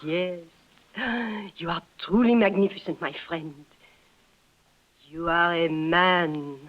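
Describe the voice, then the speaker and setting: A woman's voice: lowish voice, steady tone, slow pace. An actress playing a bold, mysterious young woman who leads the way in a 1950s radio drama, speaking in formal, clipped, commanding phrases. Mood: hushed, intense. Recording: muffled old 1950s radio broadcast.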